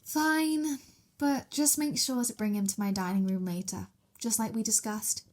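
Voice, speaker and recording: A woman's voice: on the high side, moderate pace, a little mellow, close to an everyday voice. A woman playing a childish, playful, young-looking vampire mistress of a house in an ASMR roleplay, eager and immature in manner.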